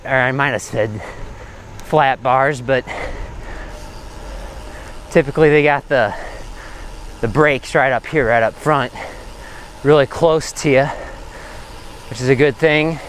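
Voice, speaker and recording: A man's voice: medium pitch, a bit bright. A man chatting casually and unscripted as he rides a bicycle, rambling and hesitant as he hosts his vlog. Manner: rambling, hesitant, talking while pedalling. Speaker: cycling vlogger, host. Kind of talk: casual unscripted chat while riding. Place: outdoors on a bicycle on suburban roads. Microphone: body-worn action camera. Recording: outdoor ride with road and traffic noise. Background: faint road and vehicle noise.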